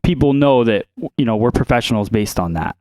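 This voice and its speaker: A man co-hosting a hairdressing podcast in a salon, talking bluntly and casually into a boom mic. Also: animated, fairly quick, dark tone, no room sound. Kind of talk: casual chat. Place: salon studio. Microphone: studio mic on boom arm, headphones.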